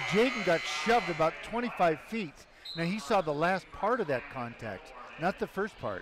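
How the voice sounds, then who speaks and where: Over noticeable background noise, a man with high pitch and lively intonation speaks at a moderate pace, the sound dry with no echo. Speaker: color commentator, former coach. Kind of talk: radio color analysis, conversational. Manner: measured, analytical. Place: stadium. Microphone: headset.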